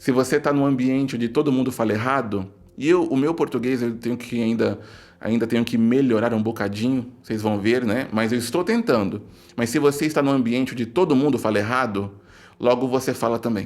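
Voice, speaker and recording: Here a man speaks at a fairly quick pace. His pitch sits in the medium range. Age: 30s. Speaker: spiritual teacher and tarot reader. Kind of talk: opinion monologue to camera. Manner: animated.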